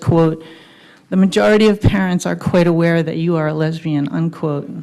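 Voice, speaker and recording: Noticeable background noise is present as a woman talks. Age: 60s. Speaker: retired teacher testifying. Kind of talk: testimony. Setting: legislative committee hearing. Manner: formal.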